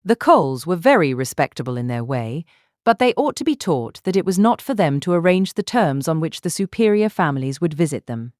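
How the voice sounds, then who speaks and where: A woman reading a literary audiobook as narrator, measured and articulate. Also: deep voice, big pitch swings, a little mellow, no echo, clean studio sound.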